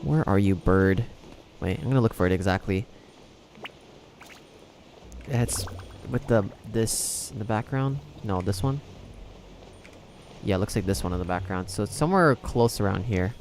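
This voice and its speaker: A man's voice: on the low side, moderate pace, pauses often, a little mellow, a little hiss or hum. A man livestreaming a video game, chatting casually with viewers and rambling as he thinks aloud.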